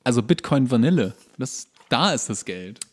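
A man's voice: medium pitch, big pitch swings, moderate pace. A man co-hosting a podcast in casual comedic banter, with dry, offhand jokes. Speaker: podcast co-host.

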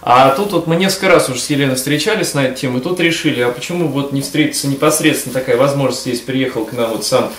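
A middle-aged man hosting a casual interview, chatty and brisk, prompting his guests. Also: medium pitch. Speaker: host. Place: living room with curtains, indoors. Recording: roomy.

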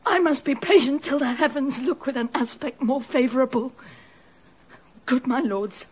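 An actress playing a wronged, dignified queen in a classic verse radio play, with slow, composed grief. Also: high-pitched, slightly rough.

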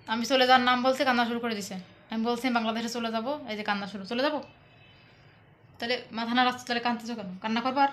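A woman's voice: fairly high pitch, steady tone, fast talker, a bit bright, slight background noise. A woman from Bangladesh speaking, coaxing and teasing her husband at home while talking to her viewers. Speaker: vlogger filming her husband. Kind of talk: casual home vlog.

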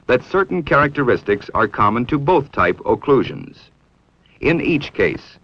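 Man, American accent, 1960s instructional narration, measured and formal, animated pitch movement, dull lo-fi film audio.

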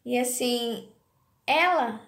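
A woman in her thirties shares a faith message in a high voice with a gravelly, creaky texture. She talks haltingly and keeps checking in with her listeners. The sound bounces around an echoey room. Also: a bit bright. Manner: hesitant, keeps asking "sabe?". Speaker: faith vlogger. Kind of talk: casual devotional talk.

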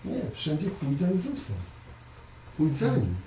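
A man preaching a conversational sermon to a small congregation, earnest, often repeating words and pausing on fillers. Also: on the high side, huge pitch swings, dark tone. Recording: echoey room, voice from far off, faint hiss.

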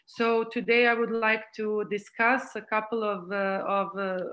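A woman's voice: medium pitch, fairly bright tone. Hesitant woman with a Serbian accent. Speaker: panelist introducing herself. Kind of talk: semi-prepared panel remarks. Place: small plain room, video call.

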